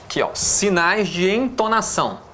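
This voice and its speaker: A man's voice: high-pitched, very animated, moderate pace, bright, forceful tone, slight background noise. A man with a Brazilian Portuguese accent teaching a lesson on punctuation. He explains step by step, drags out words while writing on the board and keeps checking in with "tá?" and "né?". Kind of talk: classroom lecture on punctuation.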